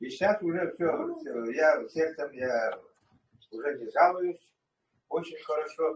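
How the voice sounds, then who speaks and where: Delivered at a very slow pace, a man's speech has big swings in loudness and long, frequent pauses. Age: 70s. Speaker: health product testimonial giver. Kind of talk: testimony. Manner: halting.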